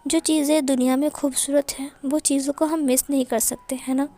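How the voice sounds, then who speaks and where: A woman's voice: high-pitched, flat delivery, a little fast, warm tone, natural voice. Woman reading as an easygoing, friendly young man. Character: calm friendly young man who loves math. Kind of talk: amateur fan-fiction reading.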